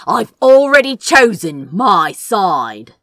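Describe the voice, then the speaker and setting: A woman's voice: medium pitch, very animated, slow, a bit bright, dry recording, studio quality, heavily acted. A woman voicing a stubborn, passionate male sorcerer hero in a fantasy audiobook. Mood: defiant.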